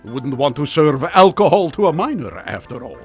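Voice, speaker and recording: An actor playing a blasé, retired older mad scientist with a dry, teasing manner in a comedy radio play. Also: male voice, a little high, very animated, moderate pace. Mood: breezy teasing. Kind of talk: comedic radio drama acting. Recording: music behind the voice.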